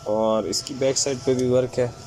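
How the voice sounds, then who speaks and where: A man with an unwell, sore-throated voice gives a casual online sales pitch item by item, repeating his catchphrases to viewers. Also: steady tone, moderate pace, darkish tone, poor audio. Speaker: shop presenter selling women's suits. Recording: clear background noise, room ambience.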